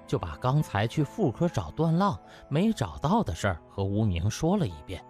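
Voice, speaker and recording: A man's voice: mid-range voice, huge pitch swings, normal speed, darkish tone, faint music behind. A man narrating a comic novel as a scripted audiobook, in a dramatic storytelling style.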